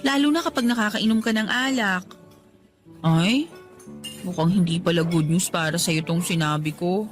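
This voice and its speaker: A woman's voice: on the low side, moderate pace, soft background music, close to an everyday voice. A woman with a Filipino accent acting as a loving, teasing and direct young girlfriend in a radio romance drama. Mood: disappointed.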